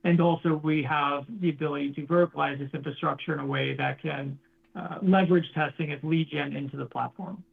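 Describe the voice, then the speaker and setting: Gravelly higher-pitched man, corporate executive. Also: fairly even intonation, brisk, phone-quality sound. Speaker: company executive answering analyst questions. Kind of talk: earnings call answers.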